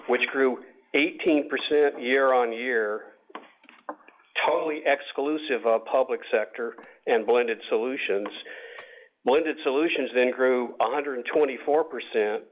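Male executive on a narrow call line. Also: medium pitch. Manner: measured, short deliberate phrases. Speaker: company executive answering analysts. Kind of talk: earnings call commentary. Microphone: conference call line. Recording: narrow tinny conference phone line.

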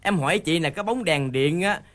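An actor with a Southern Vietnamese accent playing a glib, scheming comic husband who wheedles and breaks into sung lines. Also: male voice, fairly high pitch, fairly quick, a bit bright, lightly acted. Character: scheming, fast-talking comic husband plotting against the wives.

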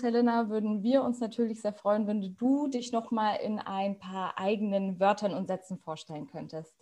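A woman's voice: mid-range voice, dark tone. A woman co-hosting a podcast and introducing a guest, talking in an easygoing, thoughtful way. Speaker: podcast co-host. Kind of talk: casual podcast chat.

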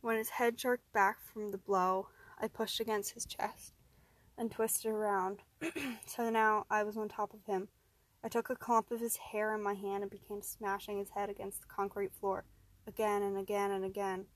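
A woman narrating a first-person horror story, steady and even, rising in tense moments. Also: medium pitch, normal speed, no echo.

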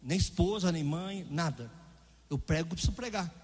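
Husky high-voiced pastor guy preaching hard, big reverby church hall. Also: moderate pace, a little mellow. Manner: vehement, emphatic preaching. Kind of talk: sermon.

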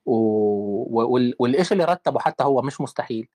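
A man's voice: medium pitch, dry recording, studio quality. A man hosting a casual online debate, firing off rhetorical questions. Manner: animated, rapid-fire rhetorical questions.

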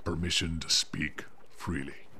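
A man's voice: a bass voice, fairly even intonation, a little slow, bright, forceful tone, a little hiss or hum, full character voice. A man playing a troubled, conscientious army sergeant in a role-play drama, earnest and clipped. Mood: deferential.

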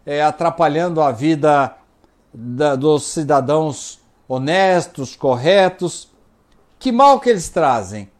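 Measured, halting man explaining calmly. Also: fairly high pitch. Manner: measured, halting, repeats words while thinking. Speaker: spiritist speaker answering questions. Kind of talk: explanatory talk-show answers.

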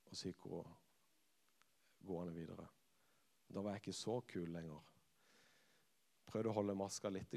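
A man, a church youth leader telling a personal story in a sermon, swinging from lively to hushed. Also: low voice. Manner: lively storyteller who acts out quotes and drops to hushed tones. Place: church hall. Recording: long reverb of a church hall.

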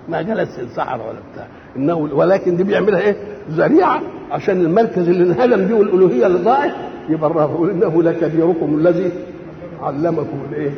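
A man with an Egyptian accent explaining scripture in a religious lesson, often asking himself questions and answering them. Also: sits high. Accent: Egyptian Arabic. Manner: keeps asking and answering his own rhetorical questions; gravelly, lively and quick-spoken. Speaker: Quran commentator. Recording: echoey hall, dull lo-fi, faint hiss.

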